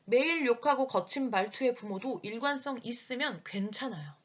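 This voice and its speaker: Animated woman instructor in her thirties, slightly husky, explains classroom childcare with vivid asides. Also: on the high side. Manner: lively, breaks into quick acted quotes of parents and children. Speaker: early childhood education instructor. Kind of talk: explanatory lecture.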